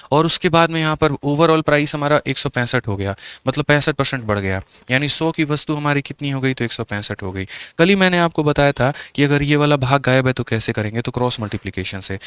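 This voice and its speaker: A man's voice: mid-range voice, fairly bright tone, clean tone, no echo. A man teaching exam-prep maths, explaining step by step and asking the class questions as he works through each answer. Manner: keeps addressing the viewer as "my brother".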